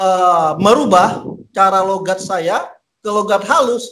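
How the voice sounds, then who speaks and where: Here a man speaks with a high pitch. His pace is very slow. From Sumatra, Indonesia (Batak). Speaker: pastor. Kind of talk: interview. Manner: firm, forceful delivery.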